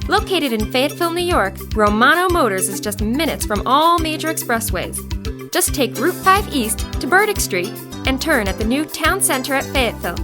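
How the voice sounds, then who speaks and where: A high-pitched woman voice-over artist reads scripted narration, her delivery polished and articulate with deliberate phrasing.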